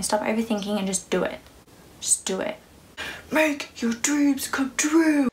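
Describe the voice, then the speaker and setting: With an Australian accent, a high-pitched woman speaks at a fairly slow pace, leaving long, frequent pauses while her intonation stays lively. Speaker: new vlogger. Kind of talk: casual talk to camera. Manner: upbeat, bubbly. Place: home room. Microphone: phone near.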